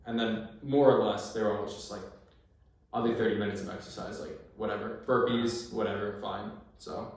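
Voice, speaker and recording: A man's voice: fairly low pitch, steady tone, a little fast. Man, American accent, podcast guest, profane storyteller, very roomy echo, distant mic. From United States. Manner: profane, storytelling, acts out quoted exchanges. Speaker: podcast guest, former army sniper. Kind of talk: casual chat. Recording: very echoey room, far from the mic.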